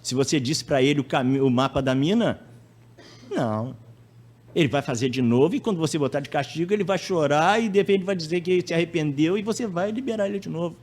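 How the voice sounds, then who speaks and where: A man's voice: a little high, a little fast, darkish tone, close to an everyday voice. A man voicing a stern female child-rearing expert who lectures parents firmly. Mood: firm lecturing. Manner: firm, lecturing.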